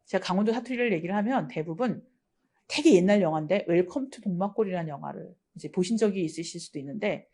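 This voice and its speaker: A woman's voice: fairly low pitch, lively intonation, quick pace, dark tone, breathy edge. Woman, middle-aged, from Gangwon, exam-prep lecturer, chatty, anecdotal. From Gangwon Province, South Korea. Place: lecture studio.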